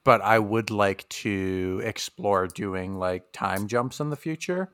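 A man's voice: on the low side, slow, fairly bright tone, smooth. A man chatting casually on a podcast as the game master, rambling with lots of fillers. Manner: rambling, filler-heavy, laughs often.

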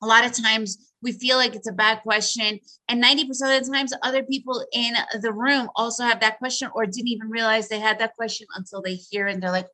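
A woman's voice: a little high, pushed and bright. A woman whose first language is Russian, giving a chatty, upbeat live presentation on trading and talking to her viewers by name. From Soviet Union.

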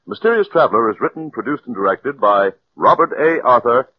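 Lively-pitched male radio announcer. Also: fairly quick, crowd noise. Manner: formal, declamatory. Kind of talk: scripted announcement. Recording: dull 1940s radio broadcast with music.

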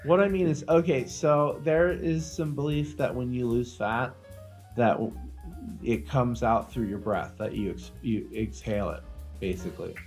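A man's voice: mid-range voice, moderate pace, darkish tone. Crude, teasing man bantering over music. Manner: crude joking, teasing, profane. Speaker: podcast co-host. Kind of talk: casual comedic podcast banter.

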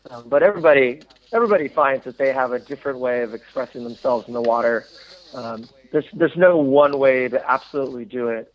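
A man from the United States, a former Olympic swimmer, answering interview questions in a reflective, halting way with many fillers. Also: mid-range voice. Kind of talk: casual interview conversation. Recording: tinny phone-line sound, dry.

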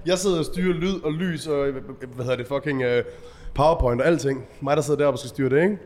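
A man telling stories in a casual podcast chat, animated and acting out shouted quotes. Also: on the high side, long reverb tail. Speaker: event organizer.

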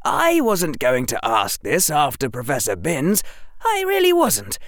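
A sharp-witted young schoolboy wizard talks in a wry, matter-of-fact way, put on by a man reading the story. The voice sits higher than a grown man's and swings with lively pitch. The sound is close and dry. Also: unhurried, no echo, full character voice.

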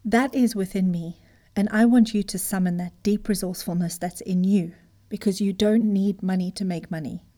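Woman, from Zimbabwe, business coach, mellow voice, emphatic, motivational talk. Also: mid-range voice, steady tone, moderate pace. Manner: earnest, emphatic, direct address.

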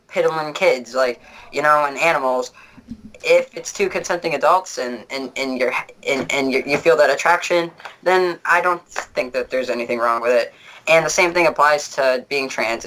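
A young man with a light, bright voice talks casually as a guest. He is blunt and candid and jokes easily. His tone is crisp and forward. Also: mid-range voice, moderate pace, poor audio. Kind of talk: casual conversation.

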